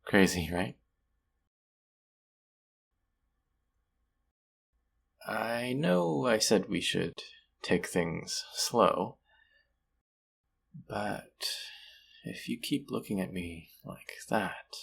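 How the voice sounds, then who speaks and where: A man playing a sweet, smitten stranger in an intimate romantic audio roleplay, speaking softly and hesitantly in a husky, gravelly voice. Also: on the low side, animated, heavily acted. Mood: flirty, smitten. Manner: soft, hesitant, tender, with pauses.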